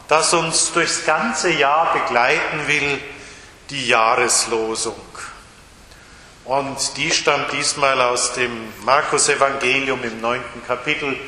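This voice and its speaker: A male pastor giving a sermon, retelling a story in a slow storytelling manner, recorded in an echoey church hall. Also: fairly high pitch, bright, forceful tone.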